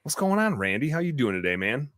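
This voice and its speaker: A man's voice: mid-range voice, sing-song, fast talker, fairly bright tone, no room sound, studio quality. A man hosting a podcast, chatting casually and bantering with informal phrasing. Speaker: podcast host.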